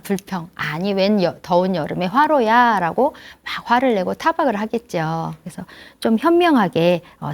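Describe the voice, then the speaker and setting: A woman lecturing grandparents in a gentle, explanatory way, often asking the audience questions. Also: mid-range voice.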